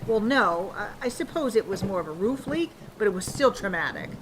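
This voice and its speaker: A woman's voice: mid-range voice, lively intonation, fairly quick, close to an everyday voice. Haughty, indignant older townswoman over storm noise, acted. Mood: indignant, dramatic. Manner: haughty, huffy, affronted. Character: indignant, self-pitying, snobbish older married townswoman. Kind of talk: audio drama acting.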